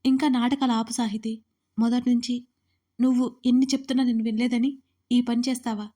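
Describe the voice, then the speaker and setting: A woman's voice: fairly high pitch, little pitch movement, fairly quick, dark tone, lightly acted. A woman voicing a young woman who feels betrayed by her friend and speaks reproachfully through tears, in an audio story. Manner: tearful, reproachful.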